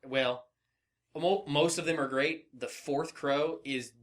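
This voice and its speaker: A man's voice: a little high, fairly even intonation, slow pace. A man co-hosting a podcast, chatting casually and chiming in with informal remarks. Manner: informal, interjecting. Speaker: podcast co-host.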